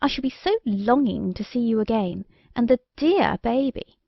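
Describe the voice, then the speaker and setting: A woman's voice: on the high side, expressive, normal speed, vocal fry, no echo. A woman voicing a vain, haughty female fairy who wears a snake bonnet, indignant one moment and falsely sweet the next, in a storybook reading. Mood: gushing. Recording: dry, slightly dull recording.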